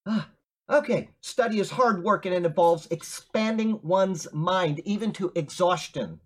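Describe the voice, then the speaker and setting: A man's voice: sits high, unhurried. An older man preaching a sermon in a conversational, rambling way, often checking in with "okay?" and "right?". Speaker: pastor.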